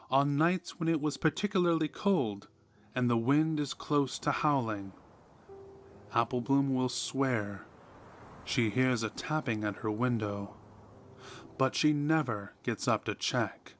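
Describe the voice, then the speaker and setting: A man's voice: medium pitch, fairly bright tone. A man reading a horror story as a dramatic scripted narration. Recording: music behind the voice. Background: music.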